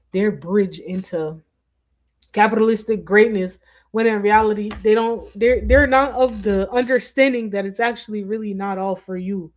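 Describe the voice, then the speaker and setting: A woman's voice: mid-range voice, a little mellow. Rambling woman chatting to her stream. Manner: rambling, conversational, with restarts and asides. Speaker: livestream host. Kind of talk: casual commentary to viewers.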